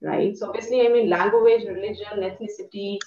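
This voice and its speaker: A woman's voice: medium pitch, fairly even intonation, fairly quick, darkish tone, slight background noise. Woman talking through a roomy video call. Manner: thoughtful, many fillers like "you know". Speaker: lecturer. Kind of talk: academic discussion on a video call. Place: room indoors. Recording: echoey, distant, muffled video call audio.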